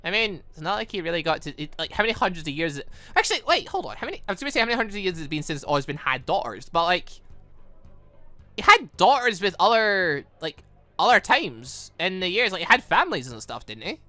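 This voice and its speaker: A gaming host with an excitable, rambling, stammering delivery, reading and reacting to a story game. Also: mid-range voice, fast, soft background music. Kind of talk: playthrough commentary, reading dialogue aloud.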